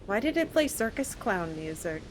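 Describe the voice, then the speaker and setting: A woman streamer giving casual live let's-play commentary, reacting aloud to the game with excitement. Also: mid-range voice, normal speed, a little hiss or hum. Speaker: streamer playing a video game.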